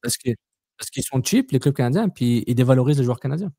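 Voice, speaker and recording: A man's voice: medium pitch, lively intonation, fast talker, dark tone, no echo, studio quality. A man co-hosting a casual soccer podcast, talking bluntly, repeating himself and slipping in English words. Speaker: podcast co-host.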